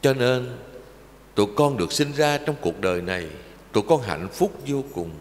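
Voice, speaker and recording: Older monk preaching, richly expressive. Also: male voice, medium pitch. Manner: fervent, chanting verses in a slow sing-song, addressing listeners as children. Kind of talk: emotional Dharma talk with recited verse. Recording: long reverb of a large hall.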